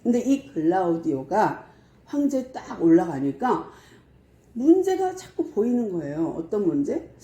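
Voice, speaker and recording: Woman pastor, lively storytelling sermon, mellow tone, echoey room. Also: medium pitch, unhurried. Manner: lively storytelling, acting out scenes.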